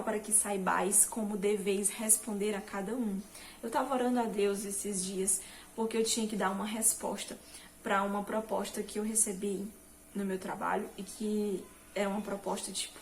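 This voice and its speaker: A woman giving a devotional Christian talk, gentle and reflective, often rephrasing herself as she goes. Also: mid-range voice, a little hiss or hum. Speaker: Christian motivational speaker.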